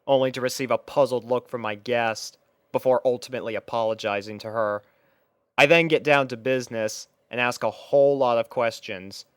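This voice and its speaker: A young man narrates a first-person story from a script. His voice is smooth and clean, with a medium pitch, recorded close and dry. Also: a bit bright, no room sound.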